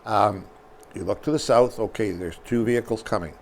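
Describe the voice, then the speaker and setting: A man's voice: lowish voice, moderate pace, a little hiss or hum. An older man, co-hosting a local news show, explaining things in a folksy, step-by-step way while losing his voice. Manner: folksy, talks step by step through everyday examples. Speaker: newspaper publisher co-hosting a news talk show. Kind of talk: casual conversational explanation.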